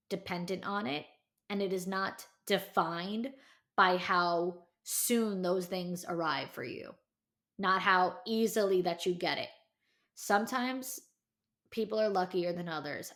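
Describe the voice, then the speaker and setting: This podcast host is a woman in her thirties with a lowish, gravelly voice, running a casual solo show. She chats candidly with many "like"s and "you know"s, then pushes her audience forward with emphatic encouragement.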